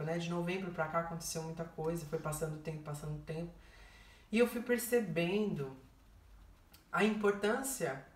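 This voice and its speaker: Recorded from afar in an echoey room, a deep-voiced woman gives a heartfelt personal testimony on her vlog. She keeps repeating herself and calls out directly to the people watching.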